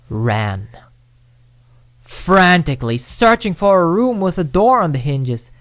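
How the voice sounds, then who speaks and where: A man's voice: high voice, a bit bright, no room sound. A man narrating a first-person ghost story, dramatic and at times dropping to a whisper.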